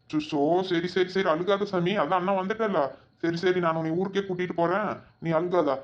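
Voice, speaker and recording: A man voicing a doting village brother in a cartoon, with a fussing, soothing way of talking. His voice sits high and moves fast. The audio is dull and lo-fi. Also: fairly even intonation, close to an everyday voice. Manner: soothing, fussing, repeats endearments. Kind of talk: cartoon voice acting.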